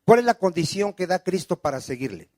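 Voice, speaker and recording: A man's voice: sits high, big pitch swings, fairly quick, darkish tone, no echo. A man preaching a sermon as pastor, often asking the congregation questions and calling for amens. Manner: preaching with call-and-response questions.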